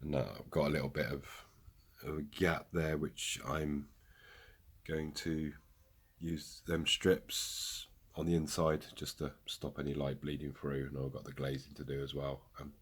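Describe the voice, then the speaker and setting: A man's voice: extremely low pitch, level tone, unhurried, breathy edge. A man casually talking through progress on his model railway, chatty and joking at his own expense, recorded in a hobby room on a camera mic. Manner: chatty, self-joking, rambling asides.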